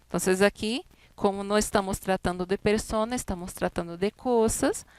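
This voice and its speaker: A woman gives a recorded Spanish lesson, working patiently through example words one by one. Her voice is smooth and clear, and the recording is dry and close, with no room sound around it. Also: medium pitch, moderate pace, no room sound. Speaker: Spanish teacher. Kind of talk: recorded class explanation.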